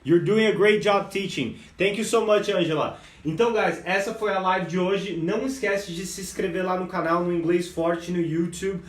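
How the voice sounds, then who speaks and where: A Brazilian man with a Brazilian Portuguese accent, teaching an English lesson on a live stream. He talks in a lively way and keeps calling his viewers "guys". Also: sits high, moderate pace, hardly any pauses, far from the mic. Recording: echoey room, voice a bit off-mic.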